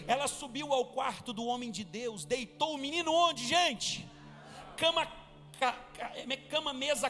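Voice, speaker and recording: A man's voice: very high voice, fairly bright tone. A man, a pastor, preaching a fervent live sermon and calling the church to respond. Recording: reverberant church hall with music.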